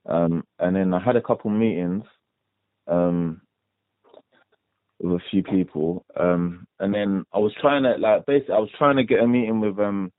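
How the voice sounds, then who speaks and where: A young man with a London accent speaks in a low, deep register, easing through his answers with plenty of ums and likes. His voice comes over a tinny, phone-like line. The sound is close and dry. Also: normal speed, no echo. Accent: London English. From London, England. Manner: laid-back, rambling with many fillers. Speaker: professional boxer, guest. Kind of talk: casual interview answers.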